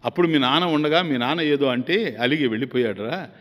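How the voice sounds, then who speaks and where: A poor widowed mother softly comforting her boy, voiced by a male preacher within his sermon. The pitch stays in a plain middle range, and every phrase trails off into long reverb. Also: a little fast, lightly acted. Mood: soothing. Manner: gentle, reassuring.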